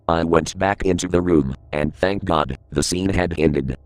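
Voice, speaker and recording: Reading a creepypasta out loud, this narrator has a very low male voice and an unhurried pace. He holds a somber, level delivery throughout, letting the grim moments speak plainly, and there's no room sound at all.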